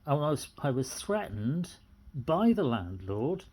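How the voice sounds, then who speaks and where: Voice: medium pitch, big pitch swings, measured pace, a little mellow, breathy edge. A middle-aged person with a British accent, speaking off the cuff as an aggrieved tenant, indignant and going back over the same points. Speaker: tenant making a complaint. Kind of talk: unscripted personal grievance monologue.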